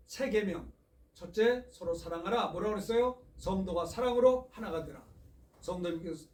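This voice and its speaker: A man's voice: sits high, reverberant, far from the mic. A male pastor from Seoul preaching a Sunday sermon, asking the congregation questions as he goes. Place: church sanctuary.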